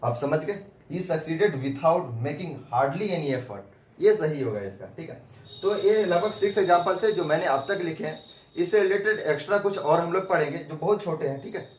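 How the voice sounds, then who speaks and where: An English grammar teacher works through a whiteboard lesson, repeatedly posing questions and answering them himself while going over points again. His voice is fairly high, animated, and fairly quick, recorded in an echoey room with faint background noise.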